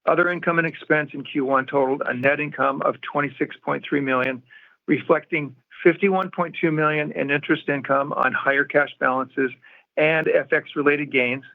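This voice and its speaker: A man's voice: mid-range voice, gravelly. A man formally reading a scripted financial report in a matter-of-fact way, as a company executive on an earnings call. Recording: muffled, narrow-band phone conference line.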